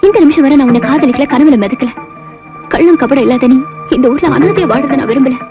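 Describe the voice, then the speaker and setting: An earnest young village woman, firm and reassuring, as an actress plays her. Her high, quick voice comes through a dull, muffled soundtrack. Loud music runs behind her lines. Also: natural voice. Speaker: heroine. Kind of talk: 1990s film dialogue.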